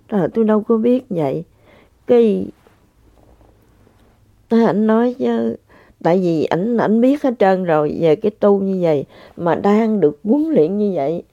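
An older woman giving an emotional, halting spiritual testimony to listeners, often repeating herself. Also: mid-range voice, warm tone, no room sound. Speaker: religious practitioner sharing testimony. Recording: dull lo-fi sound.

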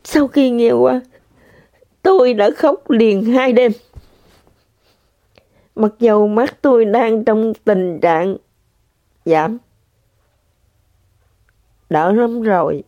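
A woman's voice: fairly high pitch, drawn-out words, long pauses, dark tone, no room sound. An older woman telling a personal spiritual testimony to her listeners, earnest and repeating herself. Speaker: spiritual practitioner sharing testimony. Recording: dull lo-fi sound.

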